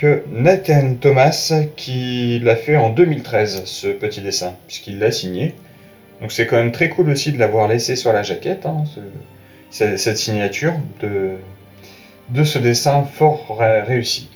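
A man hosting a casual spoken review, talking straight to the listener in a relaxed, halting way with lots of fillers and restarts. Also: on the low side. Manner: hesitant, many fillers and restarts; informal, talks directly to the listener. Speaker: host reviewing a film's box art. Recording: echoey room with faint music.

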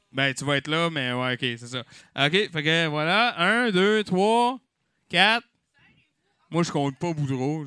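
Rowdy high-voiced Québécois man. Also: bright, forceful tone, clean tone, dry recording, clean studio sound. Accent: Québécois French. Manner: rowdy, swearing, joking with the crowd. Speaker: host of a live comedy night. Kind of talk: improvised stand-up hosting with mock auction. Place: live venue with audience.

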